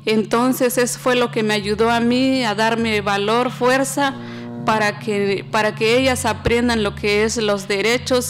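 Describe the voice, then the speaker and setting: A Guatemalan woman recounts her own experience in a plain, halting way, pausing on fillers. Her voice sits at a middle pitch. Music plays clearly underneath. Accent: Guatemalan Spanish. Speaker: domestic worker giving testimony. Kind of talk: personal testimony. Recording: background music.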